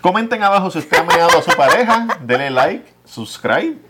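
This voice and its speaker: Man, Puerto Rican accent, guest, casual chat outdoors, animated storyteller, laughs a lot. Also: high-pitched, normal speed, noisy background. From Puerto Rico. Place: outdoors in a park.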